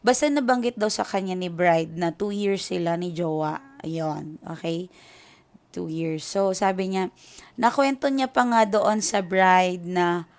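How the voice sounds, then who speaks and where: Tarot reader host, Filipino woman, unhurried and low-pitched, talks like she's sharing gossip with viewers. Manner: emotional, chatty, switches between Tagalog and English. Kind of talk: casual storytelling to viewers.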